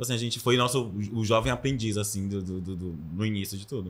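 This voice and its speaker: Fairly low in pitch, a man speaks at a moderate pace. His intonation is fairly even. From Salvador, Bahia, Brazil; Bahia, Brazil. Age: 20s. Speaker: fashion brand founder; podcast guest. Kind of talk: casual interview chat. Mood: reflective, warm. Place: studio. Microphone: studio mic.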